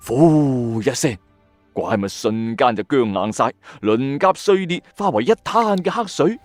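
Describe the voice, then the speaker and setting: His mid-range voice is expressive and measured as he narrates like a late-night ghost story host, colloquial, emphatic and addressing listeners directly. He has a Hong Kong Cantonese accent, and the dramatic storytelling with commentary is a dry voice-over with background music underneath.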